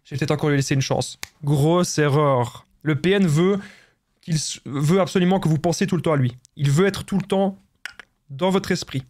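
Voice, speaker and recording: A man's voice: on the high side, normal speed, a little mellow. A man with a Belgian French accent, a relationship coach speaking straight to his viewers in an emphatic, repetitive way and calling them friends. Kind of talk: direct-to-camera advice monologue.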